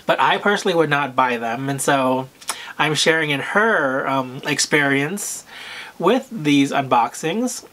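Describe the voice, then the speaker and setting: Slow, soothing-voiced man vlogging. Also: a little high, animated. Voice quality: soothing, soft voice. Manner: unhurried, hesitant, full of "um" and "you know", frequent throat clearing. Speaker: luxury fashion vlogger. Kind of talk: casual monologue to camera.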